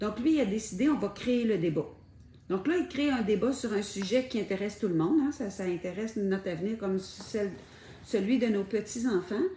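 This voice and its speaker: This woman's intonation is lively, at medium pitch. She talks at a fairly quick pace. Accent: Quebec. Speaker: spiritual speaker. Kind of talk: livestream talk. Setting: live stream. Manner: halting with many fillers.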